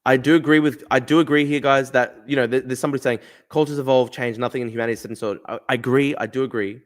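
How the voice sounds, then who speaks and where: A man's voice: mid-range voice, steady tone, rapid-fire. A young man hosting a casual livestream, answering chat bluntly, swearing and repeating himself. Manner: blunt, argumentative, swears freely, repeats phrases. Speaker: livestream host reading chat.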